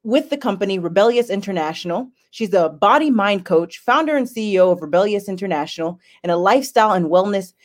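A woman's voice: mid-range voice, lively intonation, quick pace, hardly any pauses. A woman hosting a podcast, reading an upbeat scripted intro and asking her guest questions. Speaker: podcast host.

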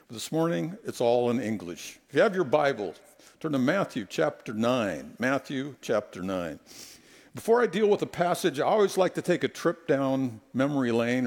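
Animated gravelly-voiced male preacher. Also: mid-range voice. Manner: animated, storytelling, acts out quotes. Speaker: guest preacher. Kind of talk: sermon with humorous anecdotes. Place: church sanctuary. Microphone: headset.

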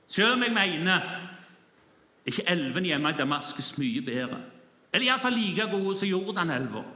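A man's voice: a little high, pushed and bright, roomy sound. A male preacher vividly retelling a story in a sermon and speaking directly to his listeners.

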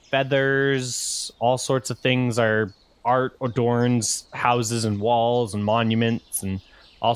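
A man narrating as game master, rambling with many fillers. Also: medium pitch.

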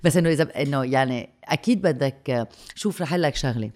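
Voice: medium pitch, racing, a little mellow. A speaker with a Levantine, Lebanese Arabic accent chatting casually, repeating phrases for emphasis and mixing in English and French words.

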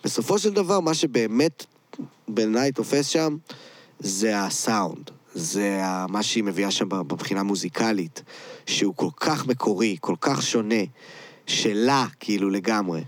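A man's voice: fairly low pitch, no echo. A man with an Israeli accent, a rapper and producer being interviewed, chatting casually in slang sprinkled with English words. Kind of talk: casual chat.

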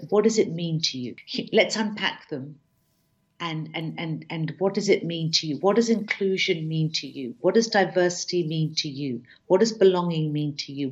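Low-voiced woman, emphatic, restarting. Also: muffled recording. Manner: emphatic, many restarts and repeated words. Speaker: diversity and inclusion consultant. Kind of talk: conversational interview talk.

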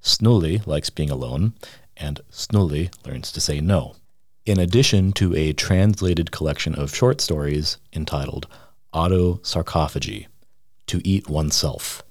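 A man narrating a scripted news feature as a reporter, measured and steady. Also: very deep voice, dry recording, studio quality. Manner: measured, reads quotes aloud in the same voice. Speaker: radio reporter.

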